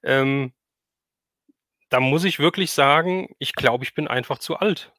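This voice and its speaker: A man's voice: mid-range voice, measured pace, bright, forceful tone, no room sound, clean studio sound. A middle-aged man, chatting casually and reminiscing as he hosts a livestream. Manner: reminiscing, conversational. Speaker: livestream host. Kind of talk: casual chat.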